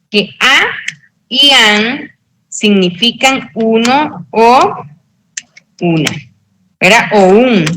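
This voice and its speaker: Slow, patient teacher woman. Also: on the high side, pushed and bright, slight background noise, rough recording. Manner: slow, patient explaining with frequent check-ins. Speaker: English teacher. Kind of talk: online grammar tutoring in Spanish.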